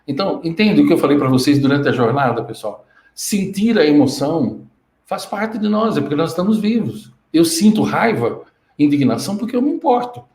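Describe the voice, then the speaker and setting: A man's voice: lively intonation, normal speed, darkish tone. A man, coaching students through a live Q&A, emphatic and often checking that they understand. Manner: emphatic, keeps checking "understand?" with sudden upward pitch jumps. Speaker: emotional-control coach answering students. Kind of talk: live Q&A teaching. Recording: roomy echo.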